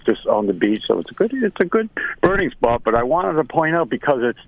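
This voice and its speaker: A man's voice: medium pitch, sing-song, brisk, vocal fry, no echo, narrow, tinny audio. A middle-aged or older man giving a chatty, folksy, casual birding report for radio by phone from inside a car. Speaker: birding correspondent.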